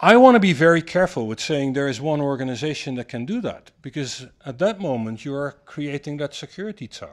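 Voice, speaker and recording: With hardly any pauses, a man with a Dutch accent talks at a fairly high pitch with lively intonation against a quiet background. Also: fairly quick pace. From Netherlands. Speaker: internet technology executive; keynote speaker. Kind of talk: keynote talk. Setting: conference stage with audience. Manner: halting, many fillers.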